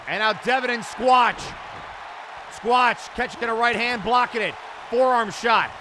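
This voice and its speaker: High-pitched excited male wrestling commentator over crowd. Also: unhurried. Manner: excited, exclamatory calls. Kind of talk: live sports commentary. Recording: noisy event audio with loud crowd. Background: crowd and arena noise.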